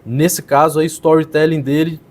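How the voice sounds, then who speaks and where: A man, a public speaking coach, casually explaining and critiquing a politician's speech as he pauses the clip. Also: on the high side, little pitch movement. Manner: explanatory, pauses clips to critique, repeats "então". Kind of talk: casual video commentary.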